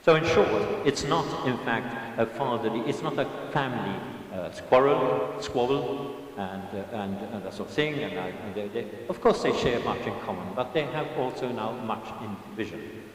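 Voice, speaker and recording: A man's voice: medium pitch, expressive. A man in his seventies, an audience member making a rambling, digressive comment at a lecture, talking without a microphone. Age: 70s. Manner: digressive, halting, with many restarts and asides. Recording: echoey hall, voice from far off.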